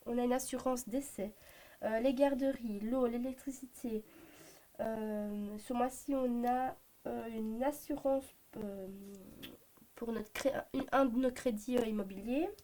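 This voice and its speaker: A Belgian woman in her thirties talks through her family budget at home, her voice a little hoarse from a cold. She is chatty and hesitant, leaning on fillers as she thinks aloud. Her tone is mellow but pitched a bit high, with faint background hiss. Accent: Belgian French. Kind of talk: casual talk to camera. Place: home at a desk, morning.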